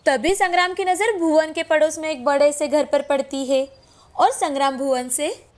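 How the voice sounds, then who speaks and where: A woman narrating a scripted cartoon story in a clear, even storytelling manner. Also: high-pitched, moderate pace.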